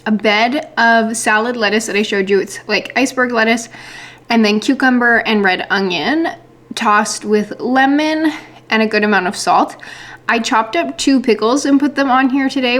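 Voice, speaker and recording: A woman's voice: on the high side, a bit bright. A woman chatting casually to the camera as a vlogger, indoors at home. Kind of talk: casual vlog chat. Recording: light ambient background noise.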